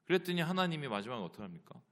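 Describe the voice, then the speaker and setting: A man's voice: on the high side, sing-song, very fast, a bit bright. A male pastor preaching a sermon, asking the congregation rhetorical questions.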